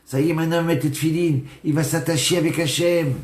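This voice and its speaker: A man's voice: on the high side, steady tone, quick pace, echoey room. A man, a rabbi, preaching by telling a story and acting out its dialogue. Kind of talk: storytelling sermon.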